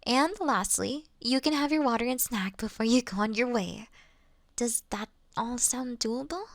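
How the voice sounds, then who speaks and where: High-voiced, gentle young-looking vampire girl played by a woman. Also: moderate pace, gravelly, no room sound. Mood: reassuring, businesslike. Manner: gentle, reassuring, conversational. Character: childlike-looking ancient female vampire, polite, reassuring, mildly wry. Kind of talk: scripted audio roleplay addressed to the listener.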